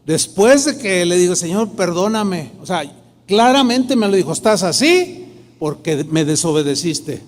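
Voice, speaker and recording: A man's voice: high-pitched, lively intonation, a little slow. A middle-aged man, a pastor telling a personal testimony in a sermon, acting out the dialogue in shifting tones. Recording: long hall reverb.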